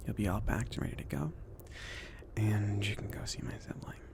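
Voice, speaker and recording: A man acts out a laid-back, considerate mage in a cozy ASMR fantasy roleplay. The voice is mostly a whisper, with a crackly fry whenever it surfaces into low speech. The delivery is casual, a little hesitant and gently reassuring. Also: normal speed. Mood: gentle, reassuring. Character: chill, considerate mage sending an apprentice on errands.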